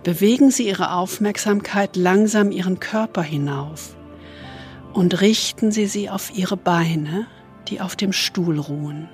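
A woman leads a guided meditation in a soft, soothing spa manner, leaving long pauses and trailing into breathiness. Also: on the low side, soft background music. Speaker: host guiding a relaxation exercise.

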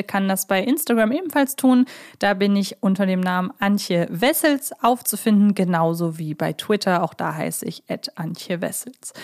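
A woman's voice: medium pitch, darkish tone. A woman hosting a podcast in a chatty, wordy style with stop-and-start phrasing. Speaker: podcast host.

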